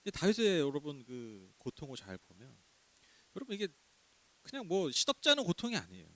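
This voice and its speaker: A man's voice: a little high, huge pitch swings, brisk, sharp tone. A man preaching a sermon in a conversational way, asking the congregation questions and laughing now and then. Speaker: pastor. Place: small church.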